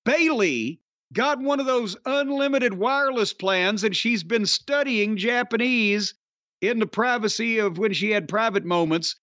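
A man's voice: high-pitched, measured pace, pushed and bright, dry recording. An older man with a Southern American accent hosting a podcast, rambling, profane and sarcastic in casual chat and a comic ad read. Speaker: podcast host. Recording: dry, slightly dull audio.

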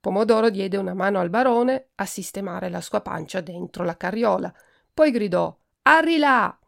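A woman, a podcast host, reading a children's storybook aloud in a steady, expressive way. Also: mid-range voice, moderate pace, vocal fry.

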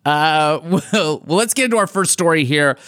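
A man's voice: a little high, moderate pace, no room sound, studio quality. A man hosting a podcast, chatting casually and recapping news stories with frequent laughs and restarts. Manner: animated, laughs often, trailing restarts. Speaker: podcast host.

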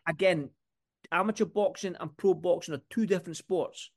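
Podcast host, male, Scottish accent, notably high voice, rambling casual sports talk with repeated phrases. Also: normal speed. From Scotland.

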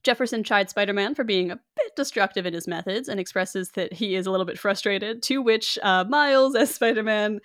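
A woman's voice: mid-range voice, fairly quick, hardly any pauses, a bit bright, no room sound. Woman podcast host, chatty plot recaps with fillers, dry close sound. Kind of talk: casual movie recap chat.

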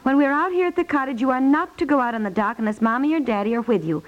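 A patient, affectionate wife and mother played by a woman in a fifties radio comedy. Her voice sits fairly high, and the old recording muffles it. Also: fast, phone-quality sound, natural voice. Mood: firm, patient. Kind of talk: 1950s radio comedy acting.

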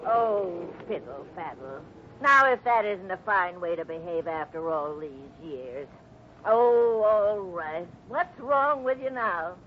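A woman's voice: lively intonation, takes it slowly, dull audio. A woman playing a tiny, scolding, exasperated old lady in a 1950s radio drama. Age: older. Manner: scolding, bossy, old-fashioned exclamations. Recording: noisy, rumbling 1950s radio recording.

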